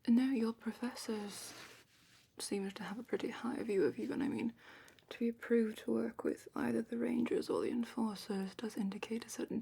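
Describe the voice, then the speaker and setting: A woman playing a calm, probing dragon-academy examiner in a whispered ASMR roleplay, speaking softly and deliberately with thoughtful pauses. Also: a little high. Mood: probing, musing. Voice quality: soft, breathy whisper.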